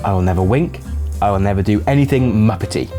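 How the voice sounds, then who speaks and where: A man with a fairly low voice narrates a video essay. He reads from a script in a measured, explanatory way, with faint music underneath.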